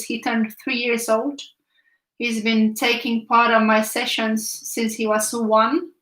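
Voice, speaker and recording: Young woman, Finnish accent, high-ish voice, relaxed live-stream chatter, roomy echo. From Finland. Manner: chatty, reads viewer comments aloud. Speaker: art teacher streaming live. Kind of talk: casual chat while painting.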